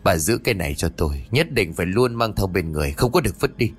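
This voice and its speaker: A man's voice: sits low, big pitch swings, fast, slightly rough, heavily acted. A man voicing a domineering old male landowner in a spoken ghost story, giving commands in a threatening tone. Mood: stern.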